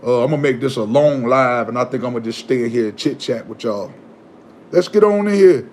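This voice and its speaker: A man hosting a live stream, chatting casually and preaching, animated and given to repeating himself. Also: mid-range voice, brisk, a little hiss or hum. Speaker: livestream host.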